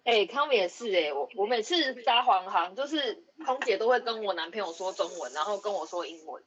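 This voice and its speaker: A woman's voice: medium pitch, expressive, brisk. A woman, chatting casually in a blunt, joking way. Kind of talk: casual group chat. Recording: dull, noisy online call with clicks.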